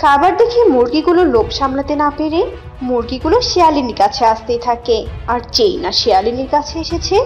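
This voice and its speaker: A woman's voice: high-pitched, lively intonation, fairly quick, faint music behind. A woman narrating a scripted cartoon animal tale as the storyteller.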